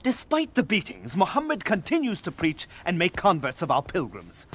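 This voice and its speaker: Casting: a forceful tribal leader, high expressive voice over a score. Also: male voice, moderate pace, exaggerated voice. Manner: commanding yet diplomatic. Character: male tribal leader keeping the peace. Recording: animated film with music behind.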